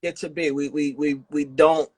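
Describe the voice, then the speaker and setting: Man, podcast host, higher-pitched voice, slangy casual chat, freely swearing, affirming. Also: level tone, normal speed, slightly rough. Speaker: podcast host and festival organizer.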